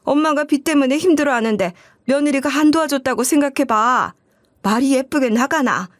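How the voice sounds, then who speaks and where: A scheming, shameless older mother-in-law in a dramatized life story, making defensive, self-pitying excuses, as a woman narrator puts her on. Her voice sits high and sounds somewhat strained. The recording is dry and close. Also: brisk, no room sound, close to an everyday voice. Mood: defensive whining.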